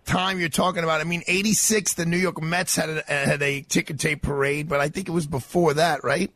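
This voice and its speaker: A man, hosting a radio interview in a casual, conversational way with a husky voice. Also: a little high, steady tone, a little fast, fairly bright tone, a little hiss or hum. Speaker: radio talk show host.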